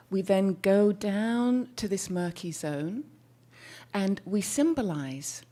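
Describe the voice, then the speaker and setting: A therapist with a mid-range voice presents to an audience via microphone, speaking softly and leaning in to the mic. She is thoughtful, now and then starting a phrase over as she looks for the words.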